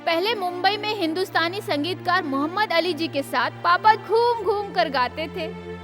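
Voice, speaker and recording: A woman's voice: very high-pitched, lively intonation, moderate pace, over music. A young woman playing an outspoken, caring village daughter in a dubbed film drama. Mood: wry. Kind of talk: dubbed Indian film acting.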